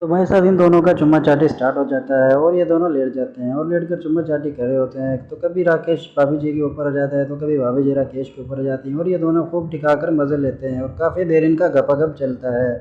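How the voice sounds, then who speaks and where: A man's voice: fairly high pitch, lo-fi sound. Chatty man recapping a story. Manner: chatty, addresses listeners as brothers and friends. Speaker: channel narrator.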